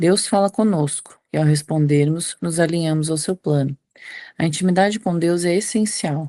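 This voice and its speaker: A woman with a southern Brazilian accent speaks at a moderate pace, her fairly low, dark, mellow voice recorded dry and close with no echo against a quiet background. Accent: gaúcho accent (southern Brazil). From southern Brazil, Porto Alegre. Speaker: devotional participant. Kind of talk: reading aloud.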